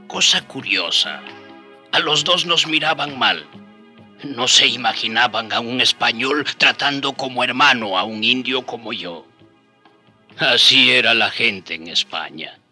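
Bright-voiced indigenous storyteller over violin. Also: male voice, medium pitch, heavily acted. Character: indigenous man, former slave, fondly recalling his travels. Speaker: narrator. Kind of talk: storytelling radio drama narration.

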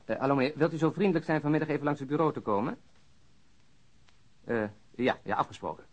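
An actor playing a busy police officer in a radio drama, wry and businesslike. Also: male voice, a little high, animated, quick pace, lo-fi sound, a little hiss or hum, lightly acted. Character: busy male police officer fielding tip-off calls. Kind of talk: Dutch radio drama dialogue.

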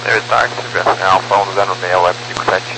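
A man speaking as a pilot, reading back clearances over an aviation radio. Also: deep voice, steady tone, brisk. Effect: radio transmission. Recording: noisy aviation radio with hum.

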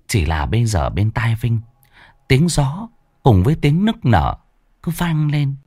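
A man narrating a ghost story in a slow, dramatic, hushed telling. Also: mid-range voice, huge pitch swings, breathy edge, no room sound. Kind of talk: scripted horror story narration. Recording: dry close voice with faint music.

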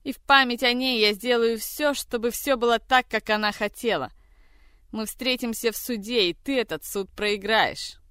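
Figure: furious man voiced by a reader. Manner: shouting, harsh, accusing. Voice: smooth and clear, louder and higher than the narration. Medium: audiobook. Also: moderate pace, few pauses, no echo, studio quality, natural voice. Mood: enraged. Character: furious man, a general's grandson, lashing out.

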